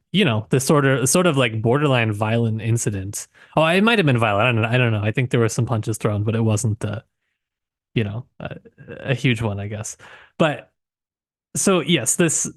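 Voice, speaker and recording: A man with a medium-pitched voice co-hosts a casual literary podcast. He speaks hesitantly, often searching for the right words. The recording is dry, with hardly any room sound. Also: dry recording. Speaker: podcast co-host.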